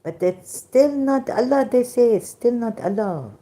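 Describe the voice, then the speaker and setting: A woman with a Pakistani accent and Sindhi as her first language, giving an informal religious talk in halting, broken English with many restarts, tired and soft-spoken as she goes on. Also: fairly high pitch, lively intonation. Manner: tired, winded and soft-spoken in later part. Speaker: religious commentator.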